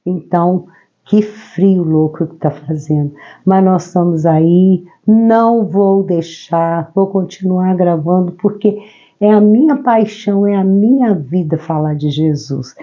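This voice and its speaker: A woman from Brazil, hoarse from a cold, gently explaining a Gospel passage verse by verse. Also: fairly low pitch, unhurried. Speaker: Bible teacher. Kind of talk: devotional Gospel commentary. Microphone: own microphone. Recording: slightly dull lo-fi recording.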